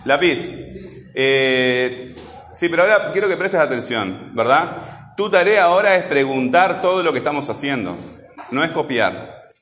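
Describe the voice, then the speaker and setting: A man's voice: on the high side, expressive, measured pace, a bit bright, a little hiss or hum. A man teaching a classroom lesson, asking the class patient questions and checking in with "¿tá?", wearing a face mask. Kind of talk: classroom lesson on word stress. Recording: echoey classroom with long reverb.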